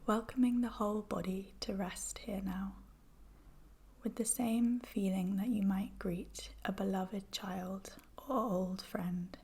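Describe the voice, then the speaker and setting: A woman with a soft, whispery voice guides a meditation in a soothing, gentle, measured manner. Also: mid-range voice, steady tone, husky. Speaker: yoga nidra guide.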